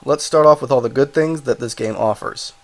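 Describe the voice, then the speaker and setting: A man's voice: medium pitch, a little fast. A man with a cold and a stuffed-up voice, casually reviewing a video game, rambling and correcting himself as he goes. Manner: rambling, self-correcting, apologetic asides. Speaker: game reviewer, channel host.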